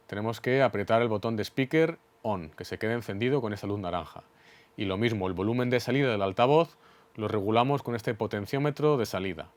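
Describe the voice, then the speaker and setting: A man with a Spain Spanish accent giving an instructional equipment demonstration in a clear, methodical, didactic way. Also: lowish voice, dry recording. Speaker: instructor explaining studio equipment.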